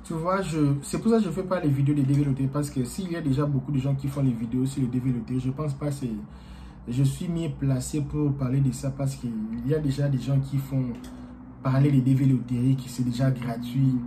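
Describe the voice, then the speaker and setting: A man whose first language is Portuguese, talking casually to his viewers as a YouTuber in a rambling, halting way with many fillers. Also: medium pitch, fairly even intonation, mellow, slight background noise, poor audio.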